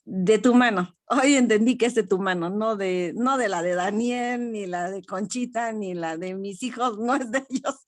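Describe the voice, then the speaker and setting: A woman's voice: mid-range voice, normal speed, few pauses, no echo, studio quality. An older woman with a Mexican accent, sharing a personal spiritual testimony in a frank, self-deprecating way and laughing often. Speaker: study group participant.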